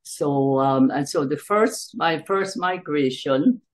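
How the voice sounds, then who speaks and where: Speaking from a small, bright room at home, a Jamaican author in her seventies is a guest on a video-call interview. She recounts her family history slowly and uncertainly, leaving long silences, her voice low. The audio comes through her computer's microphone.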